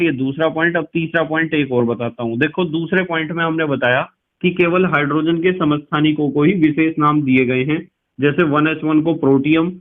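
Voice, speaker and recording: A male chemistry teacher giving a patient lecture, repeating key points and quizzing his students. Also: on the high side. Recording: tinny lo-fi sound.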